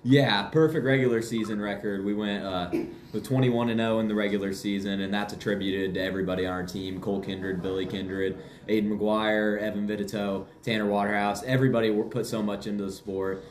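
A young man answering interview questions as a high school athlete, confident and matter-of-fact. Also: steady tone, brisk. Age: young adult. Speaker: high school basketball player being interviewed. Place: indoor room with guests present. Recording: echoey room, faint background noise.

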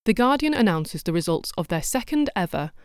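Wry, low-voiced woman narrating. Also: big pitch swings, fairly quick, no room sound. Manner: dry, wry asides. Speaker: podcast host. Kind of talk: scripted documentary narration.

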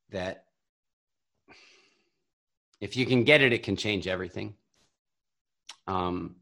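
A man guest on an interview, telling parenting stories in a casual, animated way and often repeating words as he starts. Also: on the low side, creaky. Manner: animated storyteller, acts out voices. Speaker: guest, parenting and business coach.

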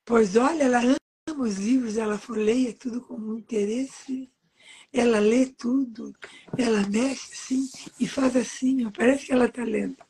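A woman's voice: a little high, steady tone, normal speed, slightly rough, rough recording. Chatty woman in her eighties. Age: 80s. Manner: warm, doting grandmother, pointing at pages with "ó". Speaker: author and guest. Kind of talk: casual interview chat, reading aloud from her books.

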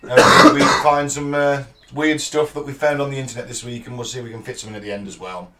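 A man's voice: medium pitch, level tone, quick pace, pushed and bright. A British man hosting a casual podcast chat, laughing often and reading out odd news stories. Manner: chatty, laughs often, reads news aloud. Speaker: podcast host.

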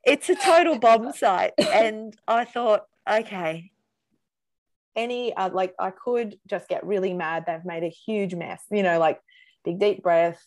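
A mother, answering interview questions in an earnest, animated way with frequent "like"s. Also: mid-range voice, measured pace. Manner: earnest, animated storyteller, says "like" often. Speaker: guest, mother.

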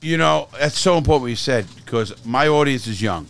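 A man hosting a loose podcast chat from inside an RV, with a voice sitting in an ordinary middle register. He tells stories loudly, breaks into laughter and jokes crudely with his guests. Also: medium pitch, expressive, fairly quick, gravelly. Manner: loud, laughing storyteller who swears and jokes. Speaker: podcast host. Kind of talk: casual chat.

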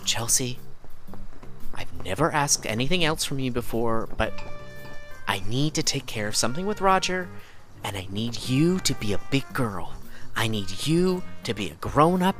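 Guy doing an anxious goody-goody boy scout, pleading and flustered, pitch all over, faint music. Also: very animated, moderate pace, a bit bright. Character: earnest, anxious, dutiful Boy Scout big brother. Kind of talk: improvised tabletop roleplay audio drama.

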